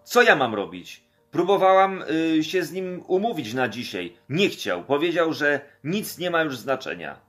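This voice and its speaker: A man's voice: on the high side, sing-song, measured pace, hardly any pauses, faint music behind. A man reading an audiobook chapter aloud, voicing the quoted dialogue expressively in his own voice. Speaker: audiobook narrator. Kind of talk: scripted audiobook narration.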